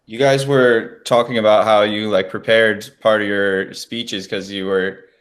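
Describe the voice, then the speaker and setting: Male interview host, fairly low pitch, casual conversational delivery. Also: steady tone, measured pace. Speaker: podcast host.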